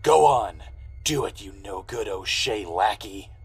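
An actor playing a defiant, weary private eye in a noir audio drama, wry and terse. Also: male voice, fairly low pitch, lively intonation, unhurried, creaky, music in the background. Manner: wry, terse, hard-boiled.

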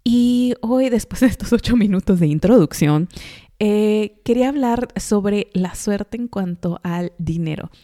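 A woman's voice: mid-range voice, unhurried, warm tone, no echo, clean studio sound. A young woman with a Mexican accent, hosting a podcast, talking casually in a rambling way full of fillers. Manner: chatty, rambling with many fillers and laughs. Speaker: podcast host. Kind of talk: casual monologue. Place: home in Chicago.

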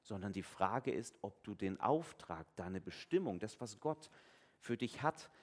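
A male pastor preaches a family service sermon in a relaxed, conversational way. His pitch moves a lot, and he slips into voices for the people in his retold dialogues. The sound carries the long reverb of a church. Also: a little slow.

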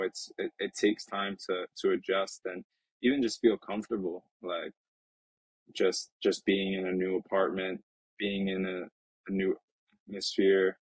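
A young man in his twenties speaks in a deep, very flat and husky voice, picking his words slowly with frequent restarts. The sound is dry and close, with no room around it. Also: no echo, poor audio. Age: 20s. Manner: reflective, halting, many restarts. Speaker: professional soccer player, guest. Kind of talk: casual interview talk. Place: Lisbon.

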